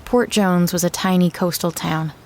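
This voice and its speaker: A female actor plays a wary woman from a small town, telling her story in an audio drama. Her voice sits a little low and sounds subdued and matter-of-fact. Faint ambient noise runs behind her. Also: fairly even intonation, normal speed, darkish tone, natural voice. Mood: wistful, sober. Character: wary local woman back in her declining hometown. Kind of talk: first-person audio drama narration.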